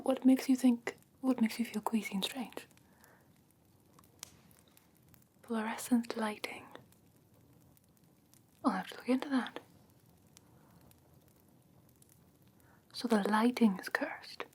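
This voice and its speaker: A woman voicing an ancient, haughty yet curious fae in a soft breathy whisper for an ASMR fantasy roleplay, halting and matter-of-fact. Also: fairly high pitch, steady tone, lightly acted. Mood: puzzled, curious. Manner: unhurried, matter-of-fact, faintly condescending, halting. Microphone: close ASMR microphone. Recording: close-miked with clear background ambient noise.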